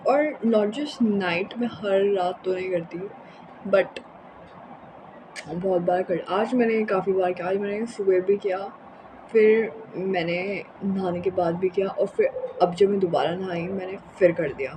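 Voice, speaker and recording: A young woman with a hoarse, sore throat chats casually and unscripted in a rambling home vlog, mixing in English words. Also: mid-range voice, measured pace, background noise. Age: young adult. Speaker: vlogger. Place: indoors in a room at home.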